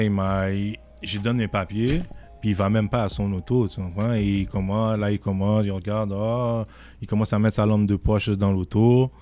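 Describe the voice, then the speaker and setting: A young man with a Québécois French accent, casually telling a story as a podcast guest and often asking "tu comprends?". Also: lowish voice. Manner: animated, repeats "tu comprends?" often.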